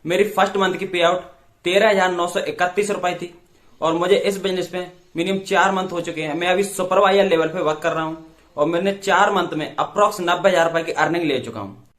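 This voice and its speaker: A man's voice: high-pitched, fairly even intonation, a little fast, a bit bright. A nineteen-year-old man from Madhya Pradesh giving a matter-of-fact testimonial about his business. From Madhya Pradesh, India. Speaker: network marketing member. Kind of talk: testimonial self-introduction. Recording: echoey room.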